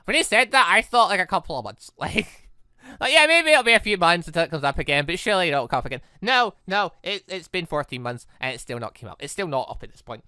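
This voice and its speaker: Animated male gamer with a bright voice. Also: high-pitched, fast talker, clear, resonant tone, no room sound, studio quality. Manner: rambling, excitable, animated. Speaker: gaming video host. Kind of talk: casual let's play commentary.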